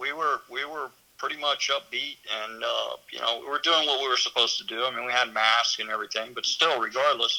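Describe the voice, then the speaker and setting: At a fairly quick pace, a man talks with a fairly high pitch and fairly even intonation. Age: 60s. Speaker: covid patient. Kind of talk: interview. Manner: halting.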